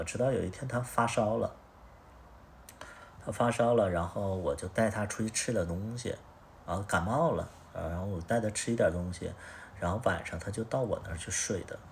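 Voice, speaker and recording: A man's voice: lowish voice, brisk, gravelly, slight background noise. A young man telling a story on a casual livestream, blunt and rambling, swearing often. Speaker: livestream host.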